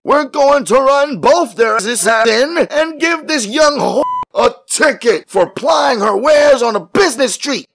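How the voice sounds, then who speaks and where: A man's voice: very high-pitched, lively intonation, a little slow, hardly any pauses, a bit bright, pitched above the performer's own voice, heavily acted. A man voicing a young, hot-tempered, foul-mouthed policeman in a harsh, roaring manner for an audiobook. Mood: harsh, barking.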